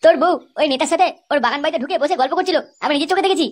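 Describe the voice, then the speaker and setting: Quick-talking, tattling cartoon buddy, a woman's voice. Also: high voice, a little hiss or hum. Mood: insistent. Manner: insistent, crude. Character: insistent tattling male buddy in a comedy cartoon.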